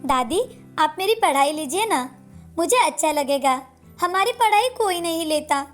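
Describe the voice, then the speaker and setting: Woman doing a high-pitched little schoolgirl. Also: animated, unhurried, faint music behind. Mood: pleading. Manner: pleading, complaining. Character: young schoolgirl, upset and complaining.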